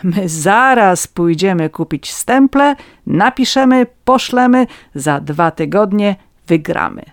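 A reader voicing a fawning, red-nosed petty scribe, a man who begs for vodka and wheedles his listeners in a high, eager voice. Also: lively intonation, takes it slowly, dry recording, clean studio sound. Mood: wheedling. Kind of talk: audiobook reading.

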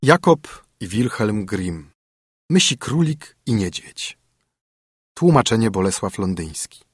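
A man reading a fairy tale aloud for a children's radio program, with an expressive delivery. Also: on the low side, takes it slowly, husky, dry recording, studio quality. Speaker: storyteller.

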